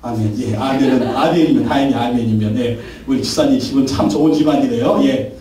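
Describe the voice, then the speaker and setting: A man's voice: medium pitch, brisk, warm tone, slight background noise. A man preaching a Sunday sermon as pastor, with fervent repeated phrases, recorded in a church. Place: church sanctuary. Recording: echoey church hall from far off.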